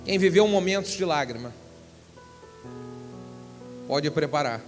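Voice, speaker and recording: A man, a pastor with a Brazilian Portuguese accent, preaching a fervent sermon that swells into shouts. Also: a little high, expressive, a little slow, faint music behind. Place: large church hall. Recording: church hall with long reverb.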